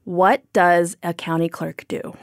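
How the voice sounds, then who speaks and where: A woman's voice: on the low side, steady tone, unhurried, no echo, studio quality. A woman co-hosting a podcast, asking questions in a playful, joking way. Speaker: podcast co-host.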